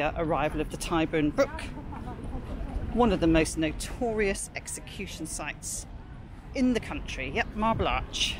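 A chatty woman narrates a walk through a city park, her voice rising and falling in a lively way. She speaks informally as she walks, into a camera mic. Traffic and street noise come through clearly behind her. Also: on the low side. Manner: chatty, informal, reads out prices and history. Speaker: walking tour narrator. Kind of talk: chatty walking commentary. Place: outdoors in a large city park.

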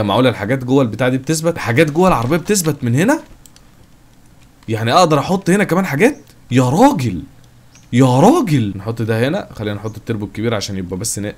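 A man with an Egyptian accent giving let's-play commentary, joking and excitable, talking to his viewers and to the game's characters. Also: on the low side. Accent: Egyptian Arabic. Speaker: gaming channel host.

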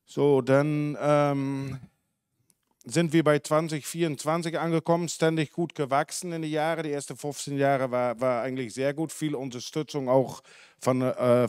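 A man's voice: mid-range voice, a little mellow, clean tone, no room sound. Dutch farmer guy talking at a conference, lots of ums and restarts, clean dry handheld mic sound. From Netherlands. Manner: halting, many fillers and self-corrections. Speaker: dairy farmer speaker. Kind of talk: unscripted talk at a symposium. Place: large conference hall. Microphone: handheld microphone.

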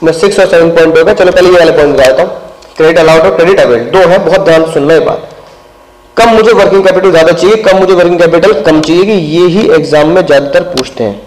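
A male commerce teacher lectures in a lively way, acting out little scenes as he explains. His voice sits slightly high, and he keeps checking in with short tag words. The teaching room gives off a clear echo. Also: fast. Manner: animated, constant tag words, acts out scenes. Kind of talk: classroom lecture. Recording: echoey room.

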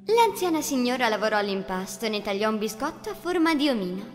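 High-voiced woman telling a fairy tale. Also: sing-song, fast talker. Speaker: storyteller. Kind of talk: scripted children's fairy tale narration. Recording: music behind the voice.

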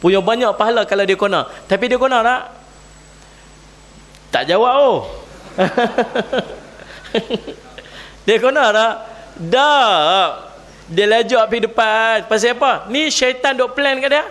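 A man's voice: extremely high pitch, takes it slowly, long pauses, fairly bright tone. A male Islamic preacher with a Northern Malaysian Malay accent gives a humorous sermon, laughing often and putting questions to his audience. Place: religious lecture gathering.

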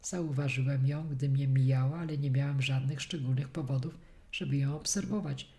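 A woman's voice: rumbling low, fairly even intonation, normal speed, warm tone. A woman reading as a plain-spoken male policeman. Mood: matter-of-fact. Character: plain, helpful male London street policeman.

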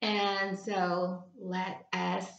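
A woman, an astrology life coach, hosting a video call interview from home, talking slowly with many ums and restarts. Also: mid-range voice, little pitch movement, creaky, fairly bright tone, a little hiss or hum. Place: room at home, indoors. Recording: echoey, slightly dull video call audio.

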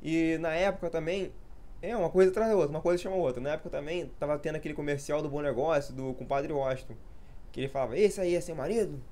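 A gaming YouTuber in his thirties chats casually in a vlog, rambling, losing his train of thought and poking fun at himself. His voice is fairly high, warm and steady, and he talks fast.

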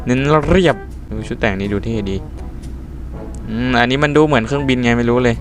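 A man's voice: medium pitch, fairly quick. A man giving loose, casual commentary while playing a car game, talking to himself and swearing freely. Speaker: gaming YouTuber. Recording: game music playing under the voice.

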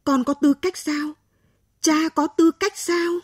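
A woman reading a story aloud, voicing a defiant young pregnant student whose voice is sharp and rising. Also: on the high side, lively intonation, normal speed, husky, no echo, studio quality. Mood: defiant, bitter.

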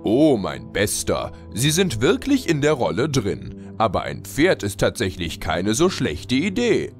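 A male actor plays a kindly old man dressed as Santa in a horror audio drama. His lowish voice swings widely in pitch, polite and trusting, with prominent music behind it. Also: wildly swooping pitch, measured pace. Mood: jovial, friendly. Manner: jovial, polite, gently patronizing.

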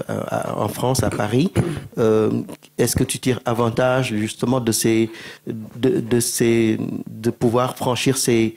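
A man moderates a panel discussion on stage with a handheld mic. His pitch stays flat and level, and he speaks haltingly, restarting words while framing questions. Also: gravelly. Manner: halting, stammering restarts, frequent backchannel. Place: indoor stage at a public panel.

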